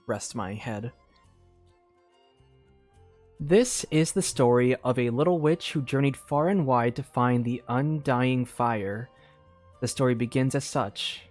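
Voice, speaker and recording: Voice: mid-range voice, a little mellow. A streamer with a mid-range voice reads a game story aloud over music. The delivery is informal, mixing storybook narration with chatty asides and the odd repeated word. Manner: informal, self-commenting, stumbles and repeats words while reading. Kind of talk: casual livestream chat mixed with read-aloud storytelling.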